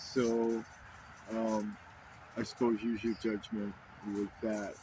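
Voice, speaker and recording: In a Maine accent, a man talks at a fairly slow pace. His pitch sits in the medium range. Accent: New England (Maine) US English. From Maine, US. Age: 60s. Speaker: Buddhist video host. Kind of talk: casual monologue. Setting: outdoors at a camp. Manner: halting, many fillers.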